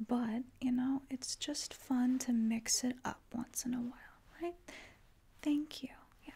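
A woman whispers in a soft-spoken way. She goes at a fairly slow pace. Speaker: ASMR creator playing a hair stylist. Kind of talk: ASMR roleplay, soft-spoken salon stylist chit-chat. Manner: soft-spoken, friendly, whispered. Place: home room. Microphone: studio mic.

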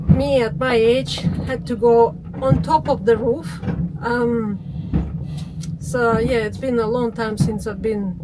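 A woman speaking at a very slow pace over loud background noise. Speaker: travel vlogger. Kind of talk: casual vlog chat. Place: train. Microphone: phone near.

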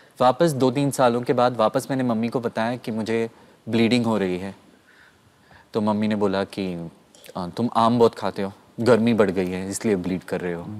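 Pausing long and often, a man speaks at a moderate pace and medium pitch with ordinary pitch variation. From Mumbai, India; India. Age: 30s. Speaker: abuse survivor; guest. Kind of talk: testimony. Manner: halting. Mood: serious, painful recollection. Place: studio. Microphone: lapel.

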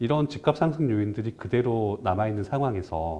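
A man at a moderate pace, very wide pitch swings, and light background noise. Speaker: real estate researcher. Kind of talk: expert interview on housing market. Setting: live stream. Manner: formal, explanatory. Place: studio. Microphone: studio mic.

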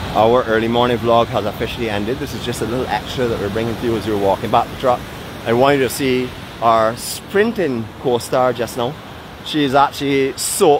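A man at a fairly quick pace with fairly even intonation, dry sound with no echo and noticeable background noise. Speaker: vlogger narrating a beach walk. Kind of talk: casual vlog chat. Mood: playful teasing. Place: beach. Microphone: phone near.

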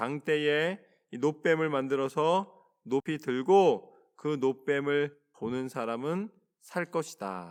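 In a very clean recording with a silent background, a man speaks at a very slow pace. His pitch is fairly high, with ordinary pitch variation. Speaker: pastor. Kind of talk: sermon. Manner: formal.

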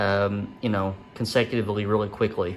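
A man with a rural Kentucky accent over light background noise. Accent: Kentucky rural Southern. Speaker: engine builder. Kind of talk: how-to narration over workshop footage. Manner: casual, halting with fillers. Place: workshop. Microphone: phone near.

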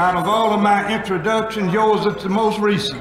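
Over noticeable background noise, a man with a high pitch talks at a fairly slow pace. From US South. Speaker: former coach and guest speaker. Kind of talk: humorous welcome speech. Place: hall. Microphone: podium.

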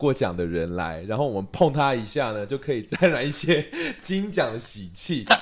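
Very wide pitch swings run through this man's fairly quick speech. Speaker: podcast host. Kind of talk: casual podcast conversation. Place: studio. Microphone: studio mic.

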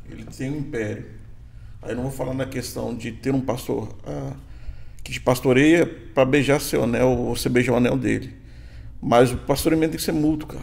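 With vocal fry, a man speaks at a medium pitch with ordinary pitch variation. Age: 40s. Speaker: pastor; pastor guest. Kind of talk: casual chat. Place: studio. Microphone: studio mic.

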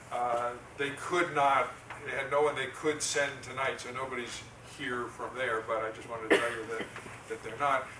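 A man keeps his intonation fairly level and his tempo moderate while noticeable noise runs in the background. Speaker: community meeting moderator. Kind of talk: meeting opening remarks. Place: meeting room. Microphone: camera far.

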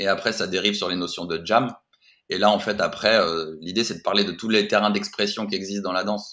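A man's bright, sharp tone at a fairly quick pace with fairly even intonation. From Lyon region, France. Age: 30s. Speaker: hip-hop festival organizer. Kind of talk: casual interview.

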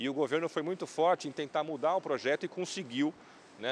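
Talking at a fairly quick pace, a man has an unremarkable speaking voice with a fairly high pitch. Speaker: city architect. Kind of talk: interview.

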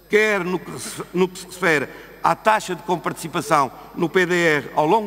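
This man's voice sits high in pitch. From Portugal. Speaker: member of parliament. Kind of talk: parliamentary debate speech. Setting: parliament committee hearing. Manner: formal. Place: hall. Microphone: podium.

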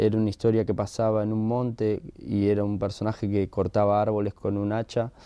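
A man with a Rioplatense accent talks at a moderate pace in a fairly low pitch. The background is quiet, and the sound is dry with no echo. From Argentina, Buenos Aires. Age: 30s. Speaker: film director. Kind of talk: interview. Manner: halting, with frequent repetitions. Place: hall.

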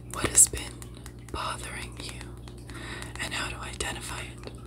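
A woman's voice against loud background noise. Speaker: Reiki master and ASMR creator. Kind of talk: guided meditation / reiki session. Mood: warm, gentle, smiling. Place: home room.

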